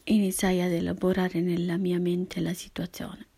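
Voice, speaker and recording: Woman narrator, whispered first-person narration, airy and husky with a gravelly rasp. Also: lowish voice, flat delivery, moderate pace. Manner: hushed, breathy whisper.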